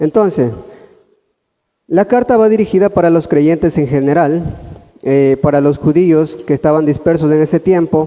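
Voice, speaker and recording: A man at a fairly high pitch and fairly slow pace, with ordinary pitch variation, very even loudness, and long, frequent pauses. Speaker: lay preacher. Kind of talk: sermon. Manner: soft-spoken; hesitant with fillers.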